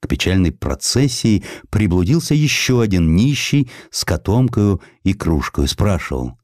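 A man narrating a literary audiobook in a measured, expressive, dramatic storytelling manner. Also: low-pitched, no echo, clean studio sound.

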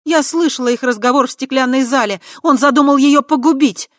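A reader voicing a young red-haired sorceress who talks in a high, emotional, insistent way. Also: female voice, brisk, a bit bright, no echo, clean studio sound. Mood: indignant.

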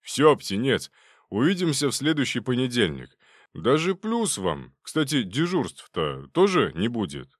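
Man doing a stern barking doctor, loud, exasperated, audiobook. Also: medium pitch, wildly swooping pitch, a little slow, dry recording, clean studio sound. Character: gruff stern middle-aged male doctor mentor.

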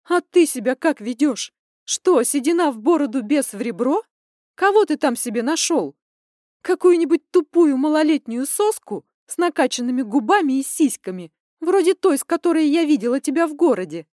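A woman voicing a hot-tempered young adult daughter, indignant and shouting at her parents. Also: high-pitched, animated, moderate pace, no echo, studio quality, voice pushed up.

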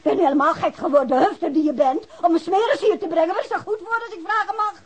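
An actress playing a sharp-tongued, scornful wife, scolding coarsely and combatively in a radio drama. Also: female voice, very high voice, fast. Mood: indignant, furious.

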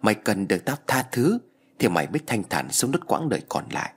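A man voicing the cold, vengeful ghost of a young woman in a storybook tale, speaking slowly and low. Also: big pitch swings, creaky, breathy edge, exaggerated voice. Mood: menacing. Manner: slow, low, menacing.

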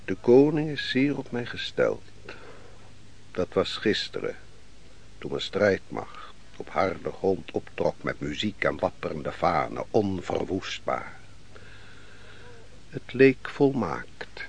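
A man's voice: deep voice, sing-song, slow, creaky, full character voice. An actor playing a brooding, defeated nobleman of an ancient kingdom in a radio play, speaking solemnly and with theatrical deliberation. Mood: bitter, grand. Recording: noisy old radio play recording.

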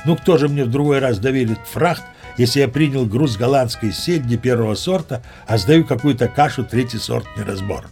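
A man's voice: medium pitch, normal speed, gravelly, darkish tone, soft background music, lightly acted. An actor playing a boastful old sea captain, chatting to the listener as he spins tall tales in an audio play. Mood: boastful storytelling. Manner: chatty, self-satisfied storyteller addressing the listener. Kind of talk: audio play storytelling monologue.

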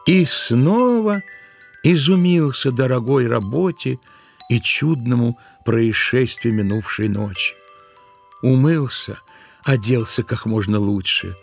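A man narrating a literary tale for an audio play, expressively, with drawn-out emphatic words. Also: medium pitch, lively intonation, gravelly, faint music behind.

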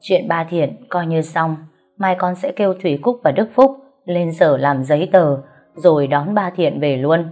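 A woman's voice: sits low, unhurried, a little mellow, soft background music. A woman doing a weary stern old patriarch. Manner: heavy, sighing and firm.

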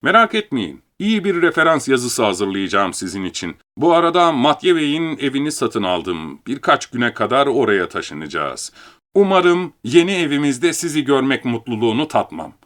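A man's voice: medium pitch, big pitch swings, normal speed, fairly bright tone. A man voicing a smug, sly old official. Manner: falsely kind, patronizing. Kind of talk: audiobook reading.

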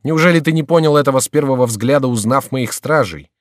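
A man's voice: medium pitch, quick pace, no room sound, clean studio sound, voice pushed up, natural voice. A man voicing a captive male prince who speaks in a muffled voice of restrained fury. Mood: grim.

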